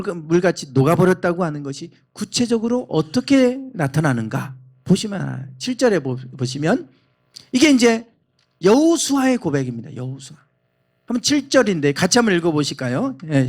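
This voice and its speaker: A male pastor delivers an emphatic sermon in a church, his voice pitched high and swinging widely up and down. A gravelly rasp runs through it. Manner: emphatic preaching, leads congregation in reading. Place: church sanctuary.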